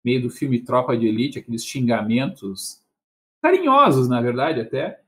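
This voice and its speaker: A medium-pitched, sing-song, slightly bright voice at a moderate pace, with a little hiss or hum, belongs to a man in his fifties from southern Brazil. Appearing as a debate guest on a casual video call with a headset, he speaks Porto Alegre-accented Brazilian Portuguese, rambling, chuckling, and throwing in frequent tag questions.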